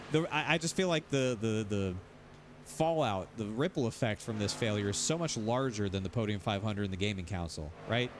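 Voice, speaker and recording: A man's voice: on the low side, expressive, moderate pace, noisy background. A man streaming sim racing, ranting casually, rambling and repeating himself, swearing freely. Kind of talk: casual livestream rant.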